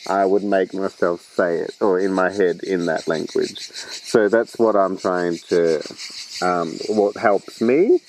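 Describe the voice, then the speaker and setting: A man in his thirties, a guest in a casual chat outdoors, relaxed and agreeable. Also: deep voice, slow, a little hiss or hum, rough recording. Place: outdoors in a garden, seated in a hammock.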